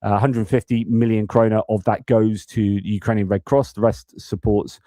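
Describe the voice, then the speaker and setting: A man's voice: on the low side, level tone, normal speed, warm tone, no room sound, studio quality. A young British man hosting a live news stream, talking casually and ranting about politics, often restarting his sentences. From United Kingdom. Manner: ranting, frequent restarts and stammered repeats.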